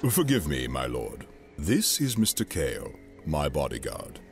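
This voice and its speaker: An actor playing a proud, guarded imperial governor in an audio drama, speaking formally and with clipped defensiveness. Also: male voice, extremely low pitch, wildly swooping pitch, unhurried, soft background music, full character voice. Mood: guarded courtesy.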